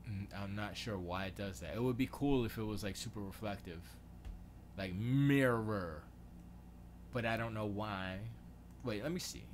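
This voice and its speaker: Tinkering in his home studio, a livestream host from Florida speaks at a moderate pace in a fairly low voice, with a little hiss or hum present. He thinks out loud casually, muttering questions to himself and trailing off mid-sentence.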